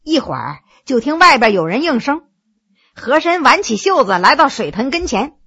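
A woman telling a historical story in expressive narration. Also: high-pitched, moderate pace, breathy edge, highs cut off.

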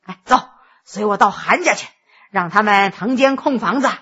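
A woman's voice: medium pitch, normal speed, pushed and bright, slightly rough, voice pushed down. A woman voicing a jovial, scheming male scholar who teases and boasts with lots of interjections, on a dull lo-fi recording. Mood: boastful. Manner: teasing, boastful, many interjections.

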